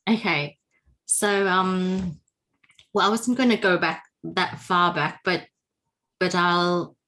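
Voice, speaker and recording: A woman's voice: fairly low pitch, fairly even intonation, takes it slowly. A woman from Indonesia, telling her life story as an interview guest over a video call, searching for words with many fillers. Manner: warm, searching for words, frequent laughs and fillers.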